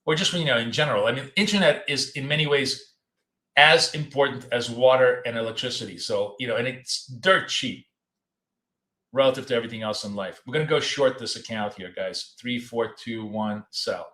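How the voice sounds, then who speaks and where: A talkative American trading host, loose and chatty, broadcasts live from the home office of his city apartment, repeating himself and coughing as his voice fades. He has a mid-range voice and a moderate pace. His bright, forceful tone echoes noticeably around the room.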